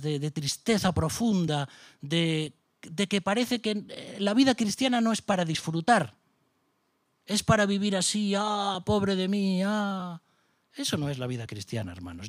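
A man's voice: high voice, no room sound, clean studio sound. A middle-aged man from Spain preaching a sermon with a Spanish accent, passionate, firing off rhetorical questions and mocking asides. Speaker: pastor.

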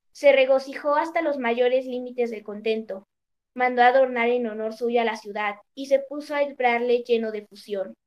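Woman, storybook narrator, measured reading, slightly high voice. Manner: measured, even reading of an old tale.

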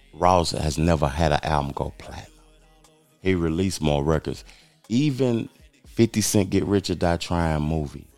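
Deep-voiced man in his forties, blunt. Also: a little mellow, no echo. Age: 40s. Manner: blunt, emphatic, streetwise talk. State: losing his voice. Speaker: podcast host. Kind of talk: casual commentary.

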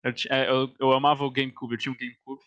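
A young man with a Brazilian Portuguese accent, a game developer guest talking casually in an interview, relaxed and dropping frequent "yeah" fillers between thoughts. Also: medium pitch, rapid-fire, no echo. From born in Portugal, raised in Canada and Brazil.

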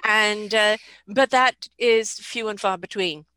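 A woman's voice: medium pitch, slow pace, bright, forceful tone, smooth, dry recording. A woman hosting a casual conversation, chatty and advice-giving with easy laughs. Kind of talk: casual chat.

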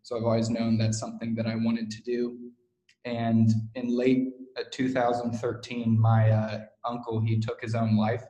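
A man's voice: mid-range voice, completely flat delivery, moderate pace, mellow. A young man from Kansas with a Midwestern American accent, speaking as an interview guest in a hesitant way with many fillers. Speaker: guest, co-founder. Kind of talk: casual interview talk. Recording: roomy echo.

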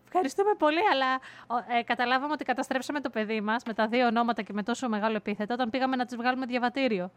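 A woman from Greece hosts a casual podcast chat in a fairly high voice. She is talkative and lively, and she teases her guest often. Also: hardly any pauses. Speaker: podcast host.

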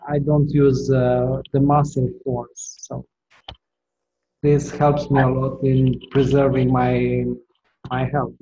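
A man talking over a phone call in a casual conversation, halting and repeating words as he searches for them. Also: mid-range voice, completely flat delivery, mellow. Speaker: caller speaking with a Tai Chi teacher. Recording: muffled echoey call line with faint noise.

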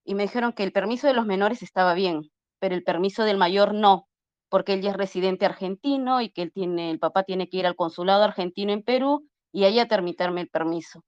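A woman's voice: mid-range voice, fairly quick, clean tone, no room sound. Earnest woman recounting a story. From Peru. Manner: earnest, acts out dialogue while retelling, frequent restarts. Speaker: interview guest. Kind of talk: casual storytelling. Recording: slightly muffled lo-fi audio.

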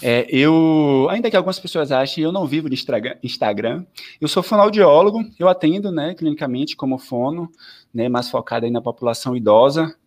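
A man, chatting as a guest in an interview, lively and full of filler tags. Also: on the high side, fairly quick. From southern Bahia, Brazil. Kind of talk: casual interview chat.

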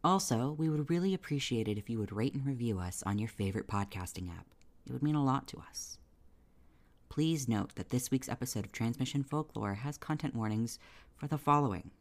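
A man's voice: medium pitch, lively intonation, brisk. A man reading scripted podcast announcements as the show's producer and announcer.

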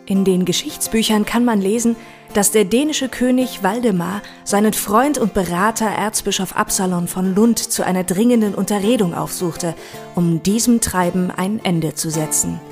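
A woman's voice: mid-range voice, moderate pace. A woman reading scripted narration for an audio walk, with guitar music behind her.

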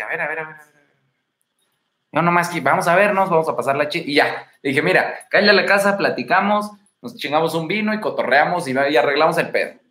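A man's voice: a little high, a bit bright, echoey room. A man in his thirties with a Mexican Spanish accent, giving dating advice in slangy, casual livestream talk and telling stories to his viewers. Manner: slangy, storytelling, addresses viewer as buddy.

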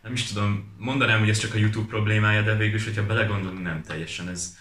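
A man's voice: on the low side, steady tone, fairly bright tone. A man chatting casually as a co-host and giving his opinions in a conversational way. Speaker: talk co-host. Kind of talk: casual chat. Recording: echoey room sound.

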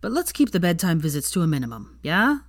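A tired, blunt young man who talks in a low, weary mutter, as a woman reading the story puts him on. His voice sits below the narration. The sound is close and dry. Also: sing-song, fast talker, dry recording.

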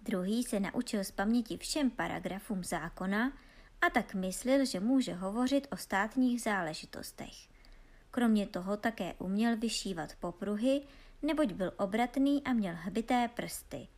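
A woman calmly reading a fairy tale aloud as storyteller. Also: mid-range voice.

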